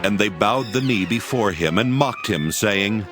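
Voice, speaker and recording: Lowish, expressive male scripture narrator. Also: measured pace, over music.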